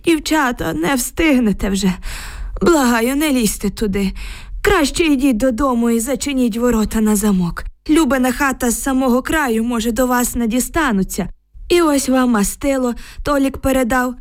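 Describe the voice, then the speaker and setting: A woman's voice: on the high side, moderate pace, voice pushed up, close to an everyday voice. Woman voicing a frightened old village man. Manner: lamenting, breathless and emotional.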